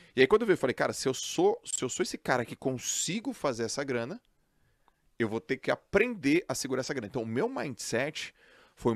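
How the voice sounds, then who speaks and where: Over a quiet background, a man at a medium pitch talks at a moderate pace with lively intonation, the sound dry with no echo. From Brazil. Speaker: finance podcaster. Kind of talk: casual chat. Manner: halting. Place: studio. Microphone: studio mic.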